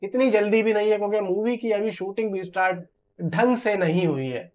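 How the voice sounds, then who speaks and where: A man's voice: high voice, brisk, a little mellow. A man, giving informal film commentary to camera in an emphatic, conversational way and repeating phrases for stress. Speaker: film news vlogger. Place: small room at home, indoors. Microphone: clip-on lapel mic. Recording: slightly dull, muffled sound.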